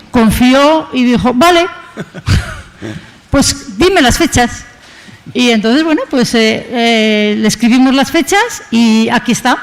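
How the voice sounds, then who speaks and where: A woman hosting a conference opening, introducing the guest speaker in a chatty, rambling way. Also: on the high side. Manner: chatty, rambling, tag questions. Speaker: association host introducing the speaker. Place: conference hall.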